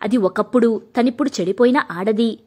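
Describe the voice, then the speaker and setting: A woman voicing a stern middle-aged mother who is proud and fierce about family honour, talking in a sharp, scolding way. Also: fairly high pitch, a little fast, husky. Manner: sharp and scolding, softening into grief.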